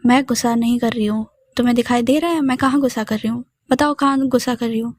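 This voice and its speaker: A woman's voice: a little high, steady tone, quick pace, a little mellow, dry recording, studio quality, lightly acted. A woman voicing a jealous female teacher who snaps defensively and insists she is not angry. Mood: snappish. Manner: snappish, defensive.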